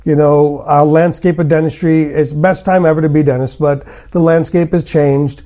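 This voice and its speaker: A man's voice: on the high side, fairly even intonation, moderate pace, mellow. A man hosting a podcast conversationally, with a blunt, opinionated way of talking. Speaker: podcast host, general dentist. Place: hotel room.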